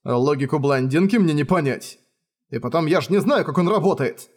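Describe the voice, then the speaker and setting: A man's voice: fairly high pitch, animated, moderate pace. A man voicing a lazy, sardonic young man who grumbles and makes sarcastic remarks.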